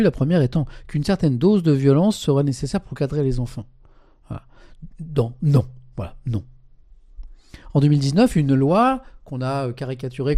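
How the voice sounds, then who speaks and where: A man's voice: mid-range voice, warm tone, dry recording, studio quality. A man hosting a casual live stream who reads article passages aloud and comments on them, often tagging his sentences with a conversational "hein".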